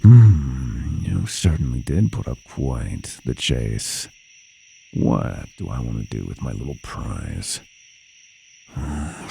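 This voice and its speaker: An extremely low, heavily creaking monster taunts its human prey in a horror ASMR roleplay. It is sadistic and playful, slipping into breathy whispers as it savors each menacing line, with clear noise behind the voice. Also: male voice, warm tone, exaggerated voice. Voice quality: gravelly, breathy, often whispering.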